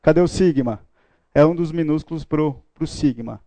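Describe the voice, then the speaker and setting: A playful man teaches a live class, his voice mellow and a touch high. The sound is dry and close, with no room echo. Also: normal speed. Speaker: Bible teacher. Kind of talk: classroom lecture.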